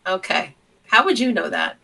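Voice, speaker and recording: A woman's voice: medium pitch, animated, moderate pace, vocal fry, crowd noise, rough recording. A woman co-hosting a podcast in casual chat, her voice worn from being sick. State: voice worn from illness. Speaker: podcast co-host.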